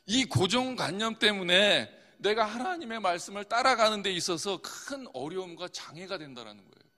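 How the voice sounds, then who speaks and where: A man's voice: sits high, lively intonation, normal speed, sharp tone. A male pastor preaching a sermon, asking the congregation questions and answering them himself. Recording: long hall reverb.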